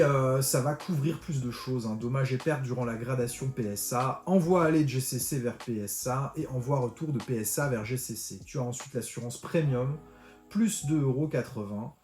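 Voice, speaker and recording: A man's voice: mid-range voice, normal speed, darkish tone. A man talking a viewer through a step-by-step online tutorial, chatty and informal, addressing the viewer directly. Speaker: card-collecting tutorial host. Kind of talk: screen-recorded tutorial walkthrough. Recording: roomy echo with faint music.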